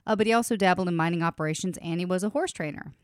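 Lady podcast host with a lowish voice, chatty and quick, bit sniffly, dry sound. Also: no room sound. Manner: chatty, laughs often, quick bursts. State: slightly sniffly from allergies. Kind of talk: casual chat.

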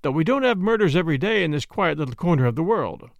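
A man voicing a smug, brisk police inspector with an emphatic, condescending manner, in a storybook reading. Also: a little high, animated, gravelly, no room sound, lo-fi sound. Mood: smug, soothing. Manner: satisfied, emphatic, soothing condescension.

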